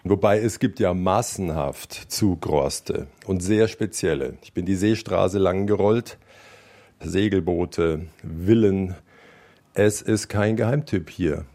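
A man's voice: sits low, takes it slowly, warm tone. A man hosting a radio talk interview on location, asking wry, probing questions. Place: on location by a lake.

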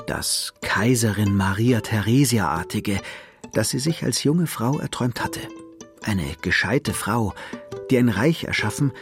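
Expressive male documentary narrator. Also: medium pitch. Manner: measured, expressive, literary phrasing. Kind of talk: scripted narration.

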